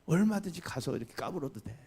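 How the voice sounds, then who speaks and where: Lively conversational male pastor preaching. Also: a little high, fast, slightly rough. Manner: lively, conversational preaching with laughs and rhetorical questions. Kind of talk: sermon. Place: church sanctuary.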